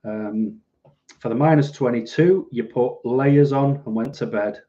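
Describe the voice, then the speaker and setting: Mellow northern English man, softened Mancunian accent. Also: medium pitch, measured pace, lo-fi sound. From northern England, Manchester. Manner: rambling, dry, sardonic. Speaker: livestream host. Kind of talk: casual livestream chat, reading out and answering viewers' comments.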